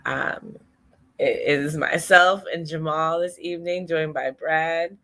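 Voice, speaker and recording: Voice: mid-range voice, fairly even intonation, takes it slowly, bright, forceful tone. A laid-back podcast host opening the show and chatting casually, laughing easily. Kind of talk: casual chat.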